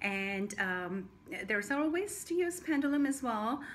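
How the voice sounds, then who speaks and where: The pitch of this woman's voice swings very widely. She talks at a moderate speed. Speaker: spiritual guidance vlogger. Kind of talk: tutorial.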